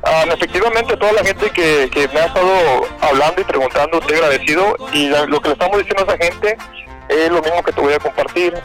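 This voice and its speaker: A Mexican man, a rodeo promoter, answering radio interview questions, nervous on air and halting with many fillers and restarts. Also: on the high side, a bit bright, soft background music, low-quality recording.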